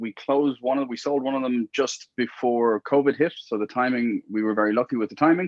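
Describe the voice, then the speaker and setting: With a Dublin accent, a man talks fairly quickly at a medium pitch, with ordinary pitch variation and a dry, close sound with no echo. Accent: Irish (Dublin). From Ireland, Dublin. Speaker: entrepreneur. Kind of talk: podcast interview.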